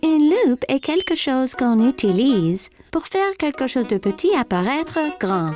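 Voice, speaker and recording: An eager little cartoon girl, high and very lively in pitch. She sounds playful and inventive, with light music behind. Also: unhurried. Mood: curious, helpful. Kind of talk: children's cartoon dub.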